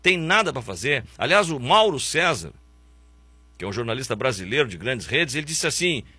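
Blunt ranting football pundit. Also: male voice, mid-range voice, big pitch swings, normal speed, sharp tone, slightly rough, no echo. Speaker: sports commentary host. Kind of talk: opinionated football commentary.

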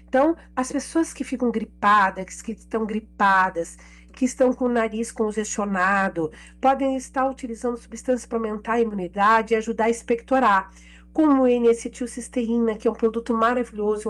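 Hoarse pharmacist, woman, a bit high, explains remedies and reads out phone numbers on a radio segment. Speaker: pharmacist giving health tips on radio. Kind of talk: radio health tips segment.

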